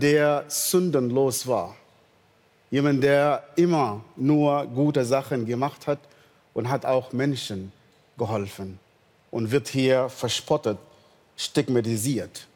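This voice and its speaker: A man's voice: mid-range voice, a little mellow. Man preaching in a reverberant hall. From northern Sudan. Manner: earnest, slow storytelling with non-native German grammar. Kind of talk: sermon with personal testimony.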